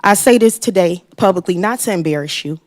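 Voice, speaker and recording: A woman with a fairly low voice delivers a podium speech during public comment. She speaks as a resident addressing officials directly, with the apologetic, careful manner of someone unused to public speaking. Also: no echo, studio quality. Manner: halting, apologetic, self-described inexperienced public speaker. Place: council meeting room, at a podium.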